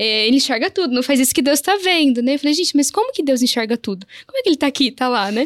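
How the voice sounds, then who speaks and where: Her pitch swinging very widely, a woman talks at a very fast pace in a dry, close sound with no echo. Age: 20s. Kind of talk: casual discussion.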